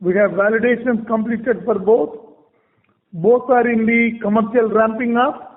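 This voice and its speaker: A man with an Indian accent giving halting, measured answers as a company executive on an earnings call. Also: very high-pitched, steady tone. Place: conference call. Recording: muffled conference line with long reverb.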